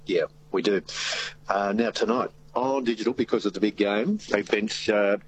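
Australian man, radio host, lowish voice, playful, self-deprecating, faint hum. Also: moderate pace, poor audio. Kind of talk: casual radio chat. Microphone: studio microphone.

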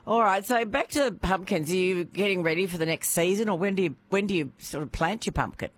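A woman's voice: on the low side, quick pace, a little hiss or hum. A woman hosting a talkback radio show, chatty and playful, laughing easily. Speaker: radio host.

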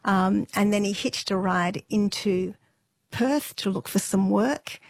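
A middle-aged woman speaks unhurriedly to an interviewer, pausing on fillers and laughing softly now and then. Her voice sits at an ordinary pitch, close to the mic in a dry room with no echo. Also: gravelly. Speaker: interview guest. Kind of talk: relaxed storytelling interview.

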